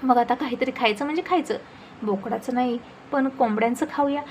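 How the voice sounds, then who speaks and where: A woman's voice: a little high, brisk, a little mellow, slight background noise, close to an everyday voice. A woman voicing a scheming second wife who talks in a sly, needling, sugary way in a storybook reading.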